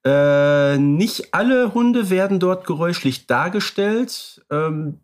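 A man's voice: sits high, takes it slowly. Casual German man chatting on a podcast. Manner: relaxed, thinking aloud with frequent filler sounds. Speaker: podcast co-host.

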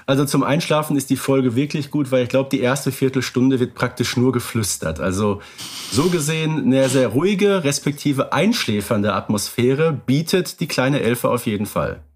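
Male podcast co-host, calm and measured, with dry irony. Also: medium pitch. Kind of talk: casual podcast discussion.

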